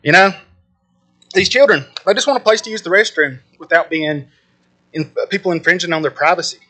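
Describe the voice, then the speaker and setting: A man's voice: sits high, brisk, sharp tone. A man giving an impassioned public comment in a meeting room, indignant and pointed as he addresses the crowd directly.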